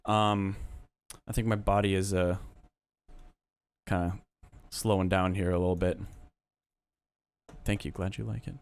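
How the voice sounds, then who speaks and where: A man with a somewhat low voice chats loosely on a livestream, reacting to listeners' tracks. He speaks in a hesitant, easygoing way, full of small fillers and restarts. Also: level tone, unhurried, pauses often. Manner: hesitant, laid-back, many fillers. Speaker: music producer streamer giving feedback. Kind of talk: casual livestream chat.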